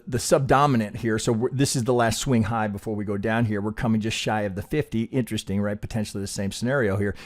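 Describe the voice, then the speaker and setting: A man's voice: mid-range voice, darkish tone. A middle-aged man giving an informal live lesson in chart analysis, thinking aloud conversationally, often checking in with a tagged-on "right" and swearing casually. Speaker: trading educator and video host.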